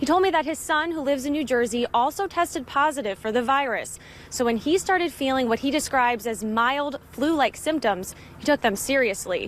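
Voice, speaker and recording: A woman talks fairly quickly in a high voice with lively intonation. Noticeable background noise runs behind her. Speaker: TV news reporter. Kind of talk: TV news report.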